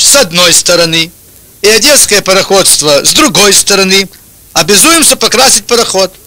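An older man tells short jokes one after another. His voice sits a little high and is strikingly bright and tense. The sound is dry and close to the microphone. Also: no room sound, low-quality recording. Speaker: joke teller. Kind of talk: telling short jokes and anecdotes. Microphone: handheld-type microphone held close, headphones on.

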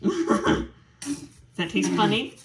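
A woman's voice: medium pitch, sing-song, very slow. Sing-song mom coaxing her toddler in a kitchen. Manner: patient, sing-song coaxing of a small child. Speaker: vlogger cooking with her toddler. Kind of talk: casual kitchen chat with a toddler. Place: home kitchen, indoors. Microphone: camera on the kitchen counter. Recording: roomy kitchen echo with clear background noise.

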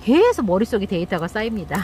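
A woman's voice: mid-range voice, big pitch swings, brisk, dark tone, slight background noise. A middle-aged woman hosting a succulent channel, chatting casually while tending her plants and acting out quoted thoughts.

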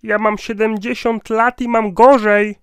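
A man's voice: high-pitched, flat delivery, a little slow, a bit bright, smooth, no room sound. An actor playing a muddled seventy-year-old man in a cartoon sketch, complaining in a plain-spoken way. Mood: grumbling. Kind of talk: cartoon comedy sketch dialogue.

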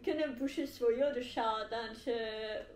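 A young woman vlogging as a Mandarin learner, not a native speaker and with a foreign accent, talks casually to camera from a sofa in a living room with a bare wall. Her voice is a little high and a little mellow, and she speaks haltingly, searching for words; the room echoes, with faint background hiss.

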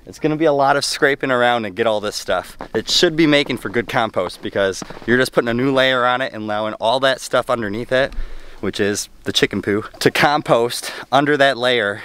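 A man's voice: medium pitch, a bit bright, smooth. A young man chatting casually to camera while doing farm chores outdoors in the snow, upbeat and friendly, holding the camera at arm's length. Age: young adult. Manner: upbeat, chatty, talks to his animals. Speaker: homesteading vlogger. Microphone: handheld camera at arm's length.

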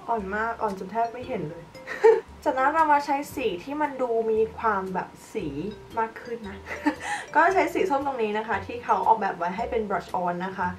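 A woman's voice: a little high, animated, moderate pace. Chatty young woman doing a makeup tutorial. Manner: chatty, demonstrates products while applying makeup. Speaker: beauty vlogger. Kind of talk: casual makeup tutorial chat. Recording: voice a bit far from the mic, light background music.

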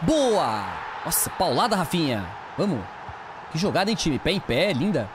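Excitable Brazilian gamer with a lively voice. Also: male voice, on the high side, moderate pace, background noise. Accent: Brazilian Portuguese. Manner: excitable, shouts at players, slangy banter. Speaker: gaming streamer. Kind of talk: live gameplay commentary.

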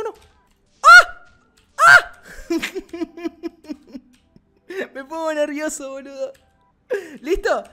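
A man with an Argentine accent giving excited gameplay commentary as a gaming channel host, swearing and shouting often. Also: very high-pitched. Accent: Argentine Spanish.

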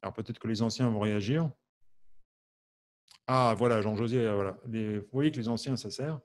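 Here a man with a lowish voice talks at normal speed during a live online harmonica lesson. Originally from France's Champagne region, he quizzes his viewers, reads their answers out by name and leans heavily on fillers.

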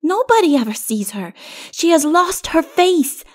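A woman's voice: extremely high pitch, very animated, unhurried, darkish tone, voice pushed up, full character voice. A woman voicing a small, innocent child in a storybook, anxious and trusting, with an earnest, pleading way of talking. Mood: earnest wonder.

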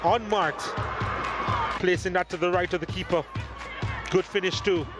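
A man commentating football match highlights in a lively, emphatic play-by-play manner. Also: moderate pace, over a noisy crowd. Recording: voice-over with music underneath.

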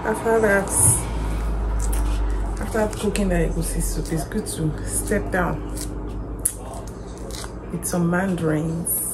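A woman's voice: on the low side, slow pace, pauses often, over music, low-quality recording. A woman chatting casually to her viewers like a lifestyle vlogger, musing aloud as she goes. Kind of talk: casual vlog chat to viewers. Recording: clear background noise.

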